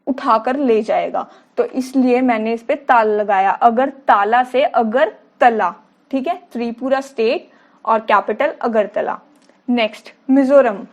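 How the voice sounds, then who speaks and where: Higher-voiced woman teaching memory tricks. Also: darkish tone, highs cut off. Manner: asks and answers her own questions, repeats key words. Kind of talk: mnemonic lesson for students.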